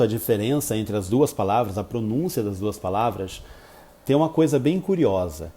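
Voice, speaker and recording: A man's voice: medium pitch, warm tone. Chatty Brazilian man teaching pronunciation. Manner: chatty, informal, exaggerates example sounds. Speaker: English teacher. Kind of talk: online pronunciation lesson.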